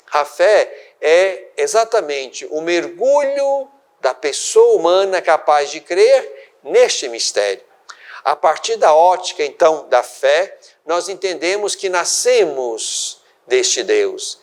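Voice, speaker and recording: An older man from Brazil, a bishop hosting a religious program, giving a sermon-like reflection in slow, deliberate, measured phrases. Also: on the high side.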